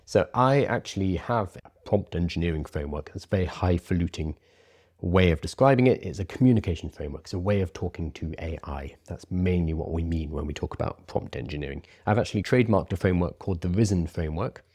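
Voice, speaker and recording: Low mellow guy explaining stuff like a casual talk, says his r's like w's. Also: lively intonation, fast. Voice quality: soft R's pronounced like W's. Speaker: presenter teaching prompt writing. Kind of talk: conversational presentation to an audience.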